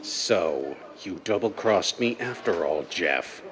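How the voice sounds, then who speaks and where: A man plays a menacing gang boss from an old radio crime drama. His voice is deep and slow, and he is curt, suspicious and threatening. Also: lively intonation, fairly bright tone, a little hiss or hum, full character voice. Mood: menacing suspicion. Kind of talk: 1930s radio drama acting.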